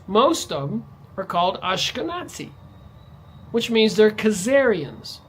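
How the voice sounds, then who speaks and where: A man's voice: high voice, fairly bright tone, slight background noise. A man vlogging in a ranting monologue, his voice jumping up sharply on stressed words. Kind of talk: monologue to camera.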